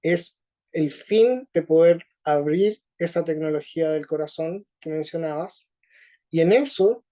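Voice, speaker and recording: A man with a Chilean accent answering interview questions slowly, with many pauses and fillers. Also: fairly high pitch, warm tone, highs cut off. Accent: Chilean Spanish. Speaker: interview guest. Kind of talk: conversational interview.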